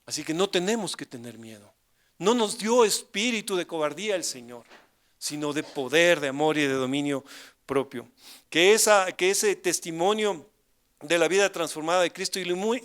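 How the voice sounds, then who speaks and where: An older man preaches a sermon in a fairly high voice. He tells a story to the congregation, dropping to hushed asides and swelling to loud declarations. He often turns to the listeners with rhetorical questions. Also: lively intonation, moderate pace. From Ecuador. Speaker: pastor.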